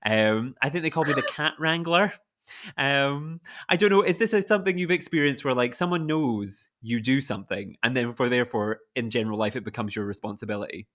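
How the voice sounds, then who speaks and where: A man's voice: medium pitch, fairly quick, a bit bright. A man with a Scottish accent hosting a podcast, chatting casually and enthusiastically, with lots of "like" fillers. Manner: rambling and enthusiastic, many fillers like "like". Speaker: podcast host.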